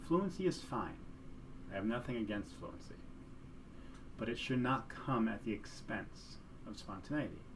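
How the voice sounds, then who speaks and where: Amid audible room echo, a man with medium pitch and lively intonation speaks at a moderate pace, leaving long, frequent pauses. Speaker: professor. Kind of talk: lecture. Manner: formal.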